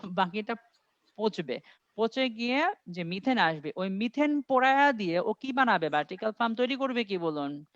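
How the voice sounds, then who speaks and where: A man tutoring an online IELTS class, reading English sentences slowly and quizzing his students step by step. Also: high voice, big pitch swings, a bit bright, no echo. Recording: dry, dull lo-fi audio.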